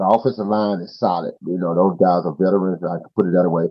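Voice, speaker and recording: A man talks at a fairly quick pace with an American accent. His very deep, low voice keeps a fairly even intonation. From Texas, Houston. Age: 60s. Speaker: high school football head coach. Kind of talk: interview. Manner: halting, repeats words.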